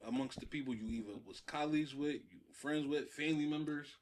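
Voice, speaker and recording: A man's voice: fairly high pitch, a little fast. A man speaking African American English, hosting a casual podcast discussion and putting questions to the group. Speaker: podcast host posing questions.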